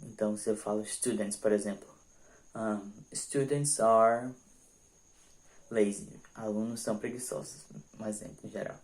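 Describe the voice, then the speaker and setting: Patient low-voiced man teaching English. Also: steady tone, darkish tone. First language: Portuguese. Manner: explains patiently, repeats examples slowly. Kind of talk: online grammar lesson with slides.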